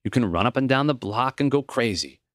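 A man reading the lines of a gentle, reflective old dying professor in a memoir audiobook, earnest and plain-spoken. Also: mid-range voice, lively intonation, fairly quick, no echo, clean studio sound, close to an everyday voice. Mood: wistful.

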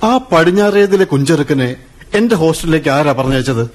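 An actor playing an earnest young student son who presses his parents for answers and speaks of his deep respect for his father, in a radio play. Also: expressive, brisk, lightly acted. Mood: pressing. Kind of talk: radio drama acting. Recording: radio play with music bed.

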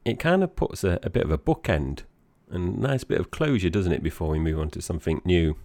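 A man with an Essex accent and a very low, creaky voice. He co-hosts a podcast in relaxed conversation, often pausing to rephrase, and is recorded close and dry. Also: no room sound. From Essex, England. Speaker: podcast co-host. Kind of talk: casual conversational podcast chat.

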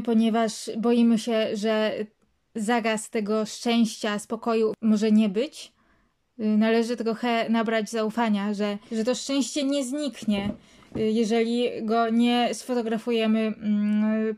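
A woman's voice: on the high side, warm tone. A woman reads a literary passage aloud and then comments on it hesitantly, with many fillers. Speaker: reader and commentator. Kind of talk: reading a literary text aloud, then reflecting.

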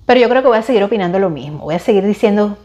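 A woman in her forties with a Venezuelan accent, talking casually to her viewers and giving opinions, chatty and expressive with frequent restarts. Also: medium pitch, rapid-fire, highs cut off. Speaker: vlogger recommending series and films.

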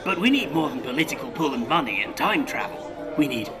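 An actor playing a scheming, pompous English writer turned dictator in a comedy audio drama, speaking articulately and persuasively. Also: male voice, mid-range voice, sing-song, brisk, music in the background.

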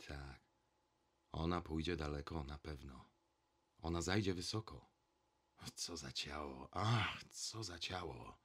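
A man's voice: low voice, expressive, unhurried. A man voicing a coarse, blustering theatre boss. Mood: muttering. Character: brash cynical male theatre director.

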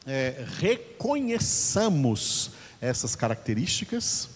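Slow, husky-voiced man preaching. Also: mid-range voice, sing-song, long reverb tail. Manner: slow, emphatic, repeats key points. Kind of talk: Bible teaching sermon.

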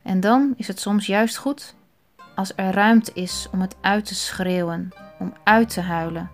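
Slow, thoughtful woman reflecting softly. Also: mid-range voice, faint music behind. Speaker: speaker reflecting on a psalm. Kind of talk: reflective spoken meditation.

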